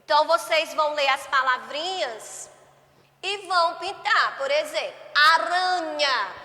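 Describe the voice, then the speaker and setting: A woman's voice: high voice, sharp tone. A woman teaching a first-grade class, stretching out syllables and checking in with the children often. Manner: slow, drawn-out syllables, frequent "né?" and "certo?" checks. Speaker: primary school teacher. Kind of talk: remote class lesson. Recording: long hall reverb.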